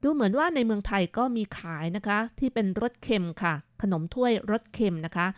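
A woman hosting a radio talk show in a studio, reading listener comments aloud with lively emphasis. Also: medium pitch, a little fast, no room sound. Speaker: radio host.

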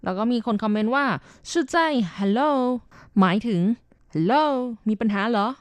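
A woman's voice: mid-range voice, moderate pace, no echo. A woman hosting a radio language segment, explaining words in a chatty, polite way. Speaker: radio host.

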